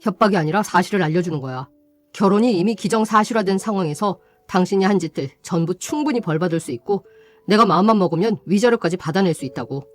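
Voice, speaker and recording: A woman's voice: on the low side, expressive, fast talker, no echo, faint music behind, close to an everyday voice. A woman voicing a betrayed young man who speaks sternly and bluntly, in radio drama style. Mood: cold.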